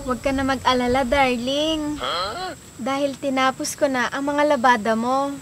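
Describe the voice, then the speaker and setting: Comedy skit: actress as a doting, coaxing young wife with a high, sugary voice, over background music. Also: female voice, steady tone, normal speed, lightly acted. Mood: sweet, doting. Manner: sweet and coaxing, calls him darling constantly. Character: sweet doting young wife, suddenly extra kind.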